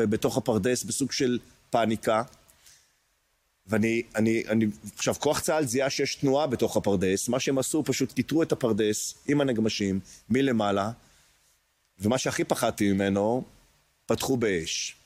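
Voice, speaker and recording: A man's voice: medium pitch, a little mellow. Older man giving hesitant testimony. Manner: hesitant, searching for words, many pauses. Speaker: interview guest. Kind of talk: emotional personal testimony.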